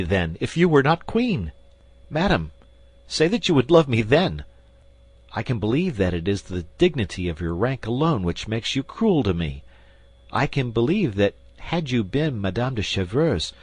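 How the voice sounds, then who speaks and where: Brief: male reader as a reckless passionate lord, fervent and expressive, dry close sound. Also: mid-range voice, slightly rough, no echo, pitched above the performer's own voice. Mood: ardent. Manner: fervent, impassioned delivery. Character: ardent lovesick nobleman, passionate and reckless. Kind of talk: audiobook character reading.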